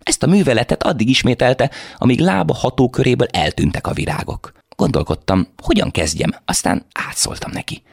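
An actor reading a novel aloud for radio, narrating in a measured storytelling way. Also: male voice, medium pitch, big pitch swings, vocal fry, slightly rough, dry recording, studio quality.

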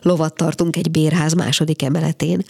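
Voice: medium pitch, little pitch movement, gravelly, a little mellow, slightly rough, dry recording, clean studio sound. A narrator voicing a cheerful tall father who protests with playful mock indignation, in a radio story reading. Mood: protesting.

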